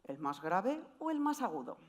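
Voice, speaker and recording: A woman giving an explanatory presentation talk on voice, with wide, lively swings in pitch. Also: moderate pace. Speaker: voice coach speaker.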